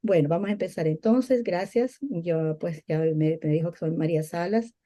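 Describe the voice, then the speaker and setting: Mellow, lowish-voiced Peruvian woman, halting delivery. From Peru. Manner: halting, searching for words with repeats. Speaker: guest giving testimony. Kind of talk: personal religious testimony, conversational.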